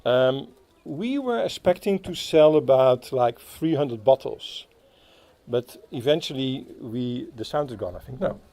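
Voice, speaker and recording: A man with a Dutch accent giving a halting speech at a playground opening, with many fillers and restarts. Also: mid-range voice, expressive, mellow. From Netherlands. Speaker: Rotary club speaker. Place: outdoor playground.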